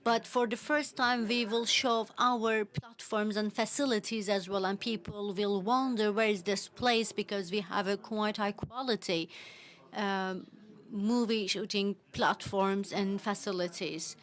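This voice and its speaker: A woman giving live English interpretation of a panel discussion, halting, with frequent "actually" fillers. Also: medium pitch, fairly even intonation, a bit bright. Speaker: simultaneous interpreter.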